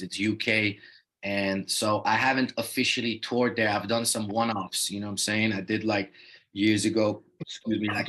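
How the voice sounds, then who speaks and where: Brief: young male rapper guest, raised in the Netherlands, low-pitched and monotone, easygoing and filler-heavy. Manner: laid-back, loose with many "you know what I mean" fillers. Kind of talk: casual interview talk.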